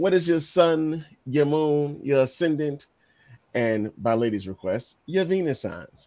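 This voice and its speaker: A man's fairly high voice with a dark, mellow tone and lively intonation, at a fairly slow pace, on a very clean recording with a silent background. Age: 30s. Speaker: podcast host. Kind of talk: show host patter. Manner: animated; playful.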